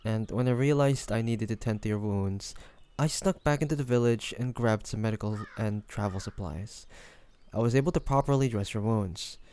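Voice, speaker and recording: A man playing a devoted young man, a tender best friend in an intimate fantasy audio roleplay, speaking gently and haltingly with sighs and pauses. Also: fairly low pitch, smooth, close to an everyday voice. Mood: tender, reassuring.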